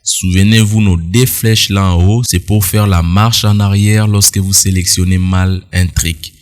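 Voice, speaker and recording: A man's voice: low voice, steady tone, unhurried. A man walking viewers through a phone editing app in a casual, explanatory screen-recorded tutorial. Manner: explanatory, addresses viewers directly, casual asides. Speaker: tutorial instructor.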